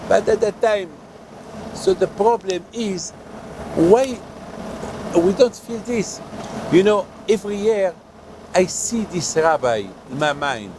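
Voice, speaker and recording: An older man from Morocco, a rabbi giving a sermon outdoors in a halting way, with many fillers and restarts. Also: high voice, expressive, noisy background. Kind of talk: sermon at a holy site.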